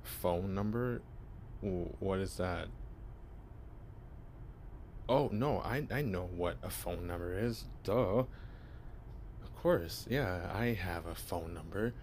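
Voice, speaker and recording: A man's voice: low voice, takes it slowly, long pauses, darkish tone, slight background noise. A young man voicing a shy, clueless male vampire in an ASMR roleplay, stammering nervously as he pretends to be human. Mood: flustered, awkward. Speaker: voice actor.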